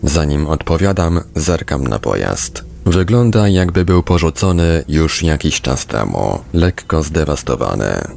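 Very deep-voiced man narrating an audiobook. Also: sing-song, unhurried, vocal fry, hardly any pauses, darkish tone, a little hiss or hum. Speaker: narrator reading book excerpts.

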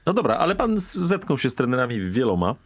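A man's voice: mid-range voice, very animated, fast, slightly rough. A man hosting a radio sports interview, asking probing, challenging questions with a playful edge.

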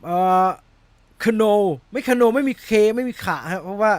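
Chatty Thai man with a high voice. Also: brisk, no echo. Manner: rambling, laughs at himself, fumbles over a name. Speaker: movie news host. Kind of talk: casual chat about film news.

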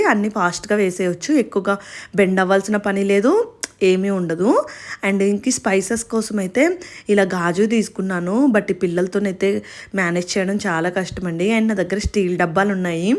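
Chatty young Indian woman vlogging. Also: on the low side. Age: young adult. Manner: chatty, explanatory, addresses viewers directly. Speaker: home vlogger. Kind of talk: casual vlog narration, chatty kitchen tour.

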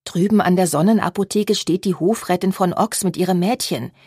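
A woman's voice: fairly low pitch, a little fast, warm tone, breathy edge, no echo, clean studio sound. A woman reading a sensible young daughter. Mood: calm.

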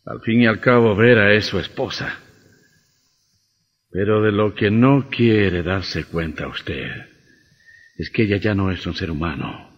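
An actor playing a grim, insistent vampire hunter who lectures sternly in an old radio drama. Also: male voice, on the low side, breathy edge, full character voice. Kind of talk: vintage radio drama acting. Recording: muffled old radio recording with reverb.

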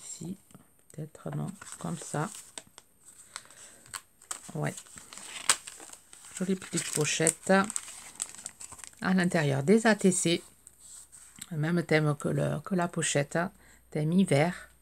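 A middle-aged woman, slightly hoarse, chatting hesitantly with many fillers as she opens craft mail at home. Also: low-pitched, steady tone, slow, pauses often, darkish tone, slight background noise. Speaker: craft vlogger. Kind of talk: casual chat while unboxing mail. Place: craft table indoors, home.

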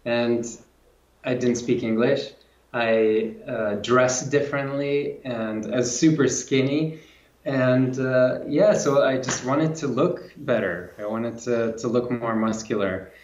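A Lithuanian movement and strength coach in his forties tells his story reflectively as a guest in a casual video-call interview, often restarting and repeating himself. He speaks slowly in a slightly mellow, mid-range voice from an indoor home room with plants and a guitar. The camera sits at a distance, giving roomy, dull audio.

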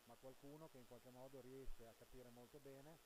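A middle-aged man, a sales director, answering interview questions in a measured, businesslike way with frequent fillers, recorded on a handheld mic at a trade-fair stand. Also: medium pitch, fairly even intonation. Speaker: sales director of an asset manager. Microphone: handheld interviewer mic held close. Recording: audible hiss and background noise.

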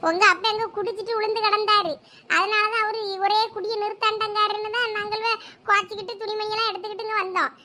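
A woman's voice: very high voice, flat delivery, quick pace, background noise. A woman with a Thoothukudi accent plays a fed-up village mother in a comedy skit, complaining and scolding her family. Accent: Thoothukudi Tamil. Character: fed-up village mother who left her drunk husband.

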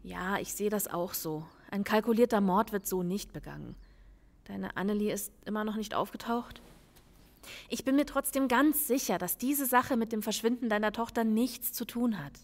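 An actress playing a brisk, blunt female police lieutenant in an audio crime drama, firm and matter-of-fact. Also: mid-range voice, lightly acted. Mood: serious, explaining. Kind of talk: German audio drama acting.

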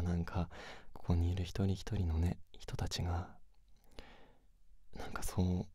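A man doing casual, intimate pillow talk in a soft, breathy whisper, close to a binaural microphone. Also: sits low, no echo. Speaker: host of a pillow-talk audio series.

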